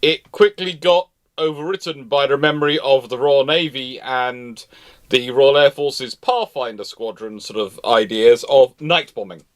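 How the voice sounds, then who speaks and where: A man with a mid-pitched voice hosts an off-the-cuff history discussion. He argues his points in a halting way, often correcting himself as he goes. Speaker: live-stream host answering viewer questions.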